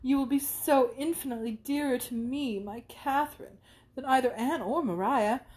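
Woman reading as a breathless gushing young lady, highish voice, swoony, whispery bits. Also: moderate pace, darkish tone, natural voice. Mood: effusive.

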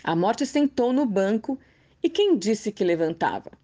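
A woman narrating a folk tale in an expressive, measured storybook reading for radio listeners. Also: mid-range voice. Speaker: guest storyteller.

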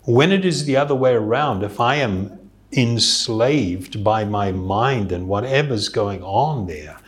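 A man speaking slowly and thoughtfully as a yoga teacher, explaining spiritual ideas in an earnest tone. His voice sits at an ordinary middle pitch, and he breaks into a soft chuckle every so often. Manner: reflective, earnest, with occasional chuckles. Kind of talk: spiritual talk.

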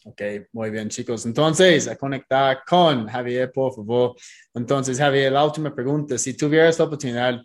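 A man's voice: medium pitch, moderate pace. A man hosting an interview in his second language, upbeat, talking to the listeners and often checking in with "ok?". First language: not Spanish. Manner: upbeat, addresses listeners, frequent "ok?". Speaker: host.

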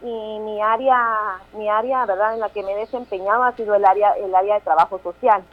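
A Guatemalan woman in her thirties, a town mayor speaking as a radio interview guest, halting with restarts and tag questions. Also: mid-range voice, fairly even intonation, narrow, tinny audio. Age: 30s.

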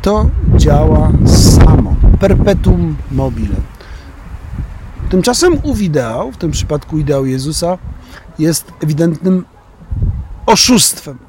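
An older radio columnist with a slightly high voice reads his piece with pointed emphasis, leaning hard on key words. A faint hiss of noise sits behind him throughout. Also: darkish tone. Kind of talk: read opinion column.

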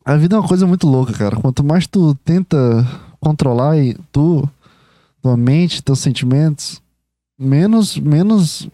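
A young man, hosting a podcast in a rambling casual monologue, excitable and swearing freely as he speaks straight to the listener. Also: fairly high pitch, a little slow, no room sound, clean studio sound. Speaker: podcast host.

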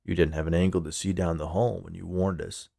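A skeptical security guard, acted by a male narrator, speaks bluntly and casually. The tone is low and gravelly, with a dry, close sound. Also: little pitch movement, fairly quick, warm tone, no echo.

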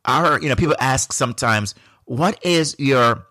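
A man with a Jamaican accent talks through his thoughts on his own podcast, unhurried and reflective, often restarting his sentences. His pitch sits in a middling range, and the recording is close and dry with no room sound. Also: sharp tone, dry recording. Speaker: podcast host. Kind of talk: solo podcast monologue.

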